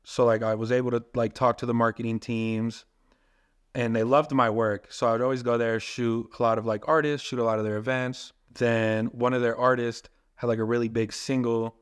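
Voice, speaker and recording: Clear and resonant, his mid-range voice shows little pitch movement and runs at normal speed. He's a young adult filmmaker and photographer telling long, meandering stories as a casual podcast guest, with "like" sprinkled throughout.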